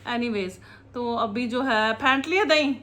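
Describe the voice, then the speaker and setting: A vlogger and mother chats casually in her home kitchen, rambling as she cooks and laughing often. Her voice is fairly high and a bit bright, and she takes it slowly.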